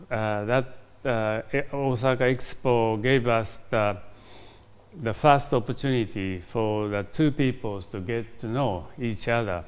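An ambassador with a clean, mid-range voice gives a formal interview in an indoor reception room, recorded on a lapel mic. The diplomat hesitates often and uses many fillers.

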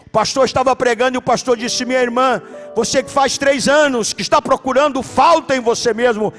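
A man with a Brazilian Portuguese accent, a pastor telling stories in an animated sermon and shouting at key points. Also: very high voice. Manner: animated preaching, shouts for emphasis. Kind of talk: sermon with storytelling. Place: church.

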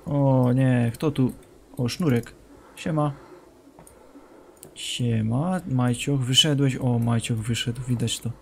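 A man's voice: medium pitch, steady tone, slow pace, vocal fry, pauses often, darkish tone, a little hiss or hum. A young man commentating a horror game as a streamer, joking, talking to the game's characters and dropping English phrases. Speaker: gaming streamer.

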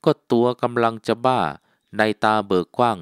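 A man narrating a literary novel as an audiobook, in a measured, even way. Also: medium pitch, smooth, no echo, clean studio sound.

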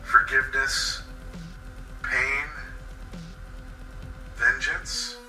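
A man reading a scripted first-person horror story in a deliberate, intense, dramatic way. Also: medium pitch, sing-song, bright, forceful tone, far from the mic. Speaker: writer reading his own horror story. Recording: roomy echo, off-mic, faint music bed. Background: faint music.

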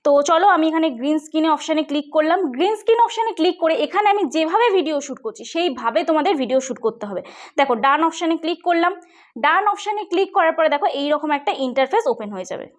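A woman's voice: high voice, expressive, racing. A woman with a West Bengal accent hosting a tech vlog, explaining things chattily and often checking with listeners. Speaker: tech channel host. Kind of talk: casual tutorial vlog.

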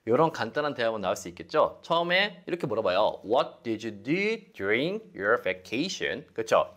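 A man's voice: mid-range voice, sing-song, unhurried, fairly bright tone. A young man teaching English phrases, explaining them animatedly and acting out sample dialogues.

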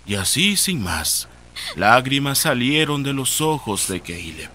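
A man's voice: mid-range voice, very animated, measured pace, bright, forceful tone. A man with a Latin American Spanish accent narrating a scripted horror story.

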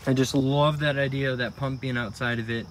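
A man talks through a hands-on tool test in a relaxed, rambling way, full of "um"s and restarts. He is recorded outdoors on a first-person camera. Faint insect and outdoor noise sits behind his voice. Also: mid-range voice, brisk. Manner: rambling, self-correcting, filler-heavy. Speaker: tool reviewer. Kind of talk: casual product demo vlog. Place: outdoor garden walkway by a tree. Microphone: body-worn camera, first-person view.

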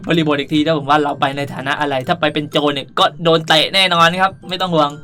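A man's voice: a little high, fairly even intonation, fast, sharp tone. A man hosting a casual game tutorial, chatting politely and often addressing his viewers. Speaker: video creator and host. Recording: music behind the voice. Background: music.

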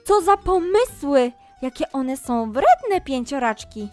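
Soft background music plays under a woman's high-pitched, sing-song voice, slow-paced and darkish in tone. This Roblox gaming YouTuber narrates roleplay gameplay as a mom scolding her kids, breaking off to speak directly to viewers.

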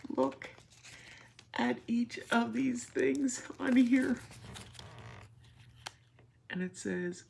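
A woman hosting a craft channel, gushing warmly over gifts as she unboxes them, emotional and sometimes dropping to a whisper. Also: mid-range voice, gravelly, a little hiss or hum. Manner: gushing and tender, often drops to a whisper. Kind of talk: casual gift unboxing chat.

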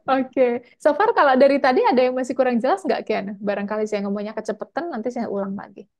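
A woman's voice: high voice, animated, a little fast, darkish tone. A woman scholarship mentor giving casual, chatty feedback after a mock interview over a video call. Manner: casual, chatty, frequent tag words.

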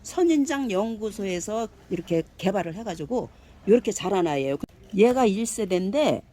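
A woman giving a cheerful live sales pitch for succulent plants, gushing and exclaiming over each one and chatting aloud to herself. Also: dark tone. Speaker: succulent seller.

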